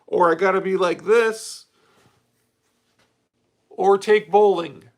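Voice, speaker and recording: A man's voice: high voice, steady tone, slow pace, gravelly. A man in his late thirties hosting a casual livestream, talking candidly and rambling with frequent restarts as he answers viewer comments. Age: 30s. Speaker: livestream host.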